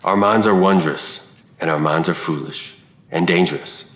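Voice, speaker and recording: A cryptic old-fashioned man of the church, grave and unhurried. His voice is very low and solemn, ringing in an echoey room, in the manner of an audio drama. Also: fairly bright tone. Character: grave, cryptic churchman guarding a dead woman's remains. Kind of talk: scripted audio drama dialogue.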